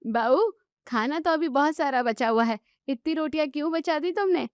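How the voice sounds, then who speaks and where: Woman doing a nagging mother-in-law, sharp and scolding, dry close sound. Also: sits high, normal speed, no echo, pitched above the performer's own voice, close to an everyday voice. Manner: scolding, demanding. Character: sharp-tongued middle-aged mother-in-law, suspicious.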